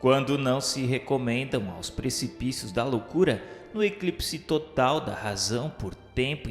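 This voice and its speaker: Solemn Brazilian man narrating in echoing hall. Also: mid-range voice. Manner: formal, measured, didactic. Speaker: narrator of a spiritist radio novela. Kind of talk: scripted dramatized narration, solemn literary reading. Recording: echoey hall reverb, music underneath. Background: music.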